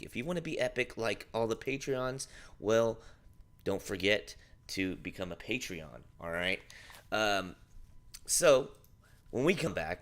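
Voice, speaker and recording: A man's voice: on the low side, bright, forceful tone. A man hosting a casual live news stream, joking and rambling with lots of fillers. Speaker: livestream news host.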